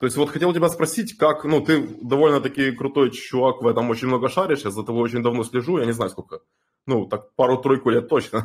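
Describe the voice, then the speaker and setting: A fairly quick pace with ordinary pitch variation. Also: man, very clean recording, silent background. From Ukraine. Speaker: crypto community member, channel creator. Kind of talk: casual question in group voice chat. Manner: halting.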